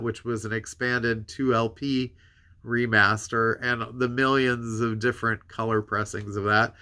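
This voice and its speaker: A man with a bright, forward voice that sounds congested and a bit worn out. He talks like the host of a casual new-release show, rambling from item to item with offhand, self-deprecating asides. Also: medium pitch, smooth. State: tired voice giving out. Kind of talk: casual rambling product rundown to camera.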